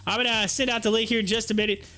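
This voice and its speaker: A man's voice: high voice, little pitch movement, racing, sharp tone, faint music behind. A man hosting a livestream with casual, chatty commentary, talking informally and directly to his viewers. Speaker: livestream host. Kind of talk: casual live stock-chart commentary.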